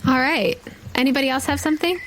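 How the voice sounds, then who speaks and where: A woman's voice: high voice, fast, a bit bright, slight background noise. A woman running a tabletop game as game master, speaking casually and encouragingly. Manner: encouraging, affirming.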